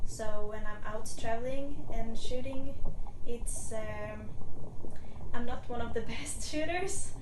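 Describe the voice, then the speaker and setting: Slow-talking Swedish woman, echoey and distant. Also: a little high. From Sweden. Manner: relaxed, hesitant, light laughs. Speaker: interviewee, café worker and air pistol shooter. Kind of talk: casual interview self-introduction. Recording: echoey room, distant mic, noisy background.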